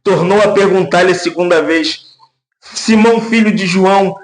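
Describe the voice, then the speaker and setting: A man preaching a lively sermon, acting out quoted voices and laughing often. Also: normal speed, roomy sound. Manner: says of himself he speaks in a deep, gruff way. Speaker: pastor.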